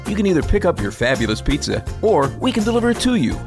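A man's voice: big pitch swings, fast talker, creaky. Upbeat male pizza-ad announcer over music. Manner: upbeat sales pitch. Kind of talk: radio ad read.

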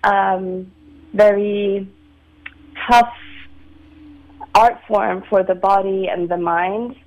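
A woman in her late twenties, from Sweden, a ballet dancer answering interview questions in a measured, soft-spoken way with many pauses. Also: medium pitch, fairly even intonation, highs cut off. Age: 20s. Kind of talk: phone-in radio interview.

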